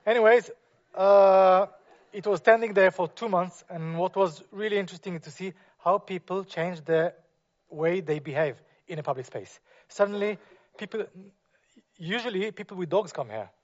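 A man with a slightly high voice talks through his architecture work in non-native English, pausing often on fillers and restarting his sentences. The sound is muffled, as if from a lo-fi recording of a lecture. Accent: non-native English speaker. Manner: hesitant, many fillers and restarts. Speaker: architect giving a talk. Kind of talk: presentation to an audience.

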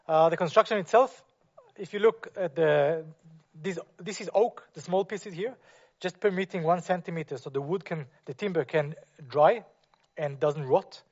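A man's voice: fairly high pitch, moderate pace, darkish tone. A man presenting his architecture projects to an audience, speaking non-native English with many fillers and restarts. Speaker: architect giving a talk. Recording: muffled, lo-fi.

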